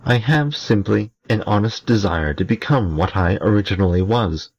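A man voicing the old Bee-Man, earnest and plain-spoken, with a husky voice. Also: on the low side, expressive, moderate pace.

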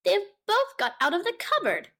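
A woman voicing a tearful, fussy mother cat in a storybook reading, her voice pitched up high and wailing. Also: big pitch swings, fairly quick, creaky, a bit bright, full character voice. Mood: distressed.

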